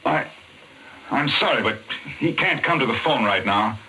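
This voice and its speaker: An actor playing a polite, well-spoken doctor in an old-time radio drama. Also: male voice, mid-range voice, animated, normal speed, sharp tone, slightly rough, full character voice, poor audio. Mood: alarmed, bewildered. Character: polite male doctor drawn into a deadly game.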